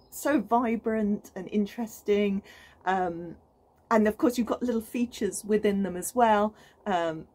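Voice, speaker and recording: A woman's voice: medium pitch, darkish tone, slightly rough. Chatty British woman vlogging outdoors. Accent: British English. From United Kingdom. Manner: chatty and enthusiastic, many ums and restarts, gestures with her hands. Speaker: gardening vlogger. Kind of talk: casual chat to camera. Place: outdoors on an allotment plot.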